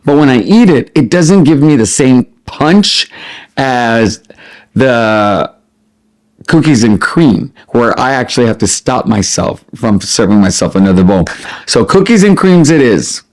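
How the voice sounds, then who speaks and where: A middle-aged man chatting casually as a vlogger, expressive and prone to wandering off on tangents as he answers questions. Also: medium pitch, unhurried. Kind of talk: casual chat to camera, answering listed questions.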